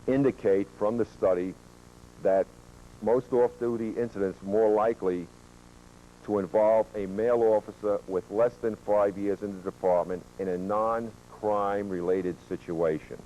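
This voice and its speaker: A man who is a police officer giving a training lecture, presenting statistics in a measured way with occasional fillers, heard from a worn VHS tape copy. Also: lowish voice, steady tone, dark tone, dull audio. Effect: worn VHS tape copy with hum.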